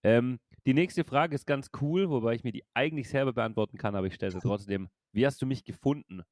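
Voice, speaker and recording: A man in his thirties hosts a loose, casual podcast chat at a mid pitch. He rambles, laughs often and drops casual swear words. The sound is dry and close, with no room in it. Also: fast, a little mellow, no echo. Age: 30s. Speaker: podcast host and streamer.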